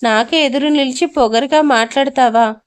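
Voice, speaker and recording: Menacing village thug, voiced by a woman, rough, shouted threats, slightly high. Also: moderate pace, natural voice. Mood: threatening.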